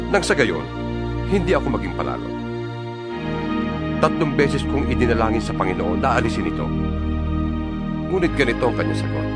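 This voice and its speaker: Man playing an impassioned apostle, swooping pitch. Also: close to an everyday voice. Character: impassioned male apostle, earnest, defiant yet humble. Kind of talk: dramatized audio Bible reading. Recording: music under the voice. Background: New-age style music.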